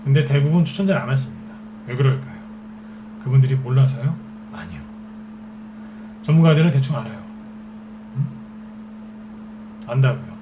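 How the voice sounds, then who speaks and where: A man's voice: medium pitch, normal speed, long pauses, background noise. A man giving a stock trading lecture as a market expert, who keeps asking rhetorical questions and answering them himself. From Seoul capital region.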